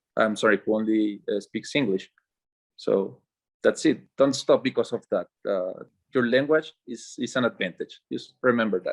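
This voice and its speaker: Man with a Spanish accent, dry and close with no echo. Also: moderate pace. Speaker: sales closer, student. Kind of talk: testimonial interview. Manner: halting.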